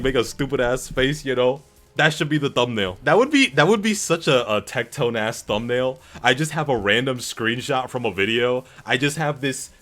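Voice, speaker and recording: A man streaming casual reaction commentary to his audience, talking in an excitable, slangy way with plenty of swearing. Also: mid-range voice. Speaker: streamer reacting to game cutscenes. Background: background music.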